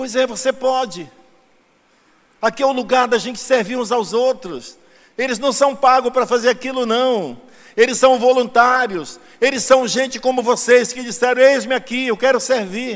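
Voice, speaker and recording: A man's extremely high-pitched voice at a moderate pace, with ordinary pitch variation, big swings in loudness, and long, frequent pauses. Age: 60s. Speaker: pastor. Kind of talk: sermon. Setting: church.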